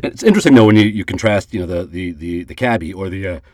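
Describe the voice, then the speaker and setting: A man hosting a podcast in casual chat. He talks haltingly, laughs easily and often agrees with his co-host. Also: sits low, darkish tone, dry recording. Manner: halting, quick to laugh and affirm.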